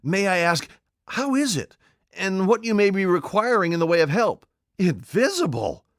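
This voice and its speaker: A man voicing an excitable old English tramp who blusters and fumbles his words in an audiobook. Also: high-pitched, moderate pace, no room sound, clean studio sound, voice pushed up. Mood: bewildered. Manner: blustering, flustered, dialect-heavy. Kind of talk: audiobook character voice.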